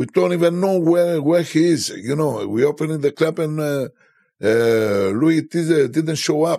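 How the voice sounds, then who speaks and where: A man with a Cypriot accent, fairly high-pitched yet dark and mellow in tone, at a moderate pace with ordinary pitch variation. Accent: Greek Cypriot-accented English. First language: Greek. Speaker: DJ. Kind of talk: casual chat. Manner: animated.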